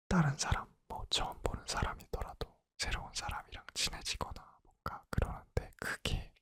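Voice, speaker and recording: A man in his twenties whispering a personal story in a soft, intimate, conversational ASMR style. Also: dry recording. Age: 20s. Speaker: ASMR creator.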